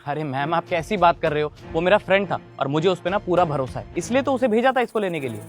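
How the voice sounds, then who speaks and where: A man's voice: on the high side, lively intonation, quick pace, music in the background, close to an everyday voice. A man playing a busy father who argues defensively with his daughter's school principal. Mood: irritated. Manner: defensive, irritated. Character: busy father, irritated then apologetic. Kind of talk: short drama skit.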